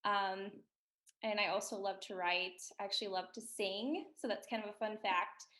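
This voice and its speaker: A chatty woman from Missouri in her thirties talks in a casual interview with a Midwestern accent. Her voice is bright and forceful, and she laughs easily between thoughts. The sound carries a roomy echo. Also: medium pitch, fairly even intonation, moderate pace. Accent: Midwestern American. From Missouri, USA. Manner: chatty, laughs often, many ums. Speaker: podcast guest.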